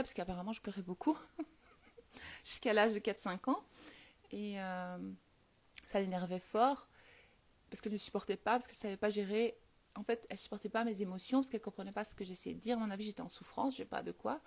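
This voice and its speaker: A woman's voice: medium pitch, brisk. A woman with a French accent hosting a casual live stream, answering viewer comments, laughing often and filling her talk with little hesitations. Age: adult with children. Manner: lively, laughs often, many fillers. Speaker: host of a live stream on the law of attraction.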